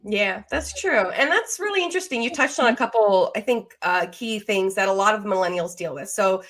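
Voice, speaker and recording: A woman's voice: medium pitch, animated, fairly quick, fairly bright tone. Enthusiastic American woman hosting an interview. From Las Vegas, United States. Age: 30s. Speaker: podcast host.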